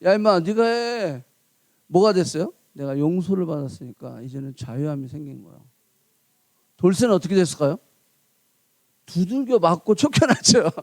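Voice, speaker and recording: A man preaching a sermon, telling a folk tale with playful, animated delivery and asking the congregation questions. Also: fairly high pitch, creaky, no echo. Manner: animated, playful, acts out characters. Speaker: pastor. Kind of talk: sermon with lively storytelling.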